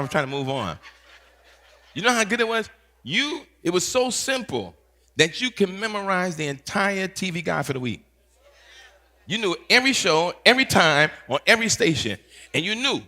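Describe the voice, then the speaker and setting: A pastor in his fifties, talking in a playful, animated way and teasing his audience with quick call-outs. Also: sits high. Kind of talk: playful teaching session talk.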